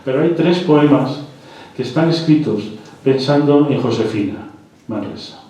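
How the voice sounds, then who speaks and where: A man's voice: mid-range voice, expressive, a little slow, warm tone, lo-fi sound. Male lecturer, hesitant and repetitive delivery, distant mic in a very echoey hall. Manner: hesitant, with repeated words and restarts. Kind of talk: live literary lecture.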